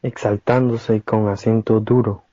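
A man's voice: fairly low pitch, level tone, a little slow, warm tone. Young Argentine man narrating, roomy sound. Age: teenager or young adult. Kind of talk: reading stage directions. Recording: dull, roomy amateur recording.

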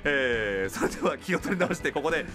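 A man's voice: mid-range voice, expressive, a little fast. A man hosting a radio variety show in a studio, cheerful and often laughing as he announces a game. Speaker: radio host. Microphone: studio boom mic.

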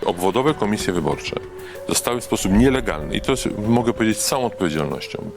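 Animated male political speaker over music. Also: lowish voice, fast. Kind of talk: political speech to the public. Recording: clear music behind the voice.

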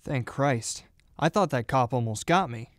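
A reckless young gunman, played by a man in a radio play, defensive and quick to plead. His pitch jumps around freely, and the sound is dry and close. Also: expressive, no echo, natural voice. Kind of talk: amateur radio drama.

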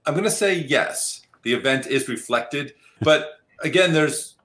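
A man's voice: a little high, animated, unhurried, fairly bright tone. A middle-aged man hosting a guessing game show as its host over a video call. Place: home room on a video call.

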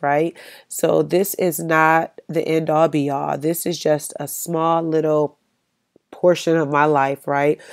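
A woman from the United States speaks alone on her podcast in a low, mellow voice. She's conversational and encouraging, uses frequent ums, and her voice is stuffy because of a cold.

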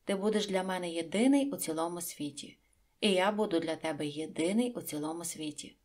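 A woman voicing a wise, patient fox in an audiobook, explaining in a calm, knowing tone. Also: lowish voice, a little fast, close to an everyday voice. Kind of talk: audiobook reading.

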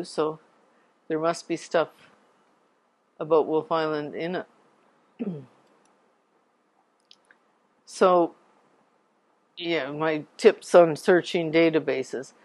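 A woman from Canada walks a small society through how to research family history. She talks slowly and patiently and stops to spell names letter by letter. Her voice sounds dry and close. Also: sits low, dry recording. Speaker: genealogy presenter. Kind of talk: informal presentation to a local society.

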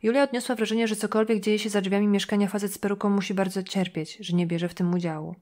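A woman's voice: mid-range voice, fairly even intonation, fast talker, darkish tone. Woman reading an audiobook. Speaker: audiobook narrator. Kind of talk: scripted narration.

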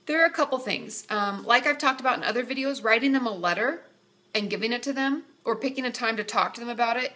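A woman's voice: a little high, sharp tone. A young woman therapist with a stuffy, nasal voice from a cold, chatting directly to a webcam in a small dim room while answering viewer questions. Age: young adult. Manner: chatty, direct, reassuring advice. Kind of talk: casual vlog Q&A. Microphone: webcam at close range.

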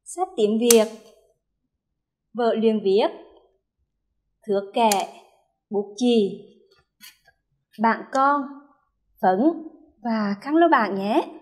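Slow-talking Hue teacher, high voice. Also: female voice, a little mellow, a little hiss or hum. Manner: slow, careful modeling of sounds, drawn-out repetitions for children to echo. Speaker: primary school teacher. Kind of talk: first-grade reading lesson.

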